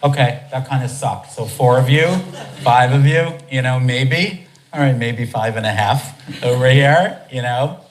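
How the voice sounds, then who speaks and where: An American man hosting a live talk in a conference hall, chatty and energetic, with many restarts. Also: mid-range voice, unhurried. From United States. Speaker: event host and speaker.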